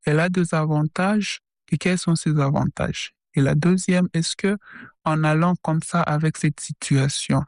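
A woman's voice: low-pitched, steady tone, measured pace, a little mellow, no echo, clean studio sound. A woman from DR Congo, leaving a recorded voicemail question through a voice changer that disguises her voice. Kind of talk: recorded listener message.

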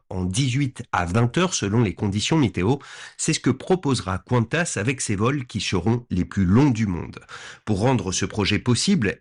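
A male foreign correspondent filing a scripted radio report. His voice is low with a husky edge, and the delivery is crisp and even.

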